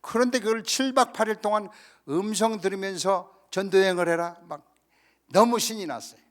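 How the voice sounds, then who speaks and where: A Korean pastor in his fifties preaching a lively, humorous story sermon at a church camp, acting out the people in his story. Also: sits high, brisk. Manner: animated storytelling, acting out quoted voices with laughter.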